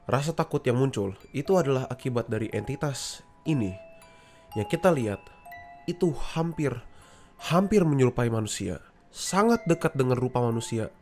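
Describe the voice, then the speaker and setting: A man's voice: mid-range voice, darkish tone. Man narrating a casual video essay. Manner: casual, explaining step by step and addressing viewers directly. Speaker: YouTube video essay host.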